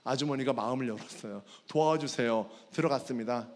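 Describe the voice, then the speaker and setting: A man's voice: high-pitched, big pitch swings, quick pace, slight background noise. A fitness trainer giving a personal faith testimony at a school chapel service. He tells the story with animation and keeps calling out to the audience. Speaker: fitness trainer and guest speaker. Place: large worship hall. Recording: long hall reverb.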